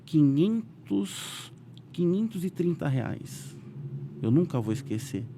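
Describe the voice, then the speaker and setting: A man's voice: takes it slowly, creaky, slight background noise. A businessman with a Brazilian Portuguese accent, a guest telling his story animatedly in a casual interview and acting out quotes. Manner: animated, voices quotes with raised pitch, frequent "né?" fillers.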